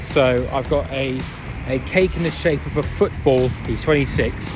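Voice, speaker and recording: A young British man with a mid-pitched voice talks to his vlog audience. He is casual and sweary, with dry, tongue-in-cheek delivery. Music plays behind him. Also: moderate pace. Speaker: vlogger. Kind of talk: casual first-person vlog to camera.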